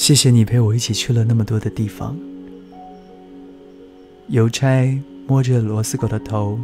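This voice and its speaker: A man's medium-pitched voice at a moderate pace, with ordinary pitch variation, long, frequent pauses and music in the background. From Taiwan. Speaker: author and storyteller reading his own picture book aloud. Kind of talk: picture-book reading aloud, storytelling narration. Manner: gentle, warm storytelling.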